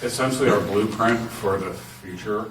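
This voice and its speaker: A man's voice: on the low side, moderate pace, noisy background. Joking man in an echoey room. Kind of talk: casual group chat. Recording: echoey room, mic far off.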